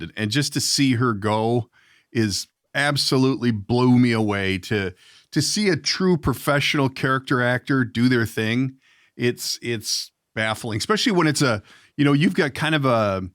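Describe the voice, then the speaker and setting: A man's voice: medium pitch, expressive, normal speed, fairly bright tone, no echo. Rambling male podcast host, close dry sound. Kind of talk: casual interview chat.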